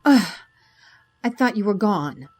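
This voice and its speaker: Clipped, guarded psychologist. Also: female voice, mid-range voice, expressive, slow pace, a little mellow. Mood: guarded, annoyed. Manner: clipped, clinical, dismissive. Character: guarded, skeptical woman psychologist. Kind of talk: audio drama acting.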